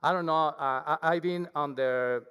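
A man's voice: on the high side, normal speed, a bit bright, clear, resonant tone. A man with a thick Mexican accent, Spanish his first language, preaching a humble, chatty sermon as a guest speaker. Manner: humble, self-deprecating, chatty with the congregation. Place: church. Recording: hall reverb.

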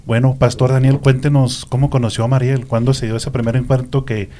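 A male radio host leading an interview on a Christian program. He talks a lot, keeps the conversation moving and turns warmly to his co-host and guests. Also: mid-range voice, level tone, brisk, a little hiss or hum. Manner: talkative, affectionate, steers the interview.

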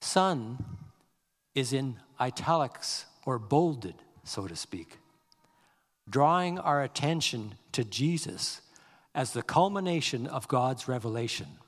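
A man delivers a sermon at a very unhurried pace, his voice at an ordinary middle pitch. He reads scripture with deliberate weight on key words. A long hall reverb trails behind each phrase. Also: expressive. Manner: slow, measured delivery, reading scripture aloud with deliberate emphasis. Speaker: pastor.

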